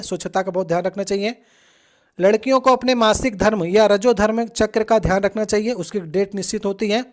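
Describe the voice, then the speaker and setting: A teacher explaining past exam questions step by step, repeating key points and checking in often with the listener. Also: mid-range voice. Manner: patient, repetitive explaining with frequent check-ins. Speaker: exam coach. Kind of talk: exam-prep lesson walking through past questions.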